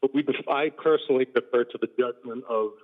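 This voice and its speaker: Meeting chair on a breaking-up phone-like line, choppy, endings clipped, halting delivery. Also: male voice, medium pitch, fairly even intonation. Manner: halting, with frequent ums and uhs. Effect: audio choppy, cutting out on a bad connection. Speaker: conservation commission chair. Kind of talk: public meeting discussion. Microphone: remote call connection. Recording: tinny phone-like remote call line.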